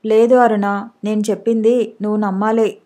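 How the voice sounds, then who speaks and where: A woman voicing a gentle, devoted husband who soothes and reassures his sick wife, in an audiobook. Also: mid-range voice, little pitch movement, normal speed, lightly acted. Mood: soothing.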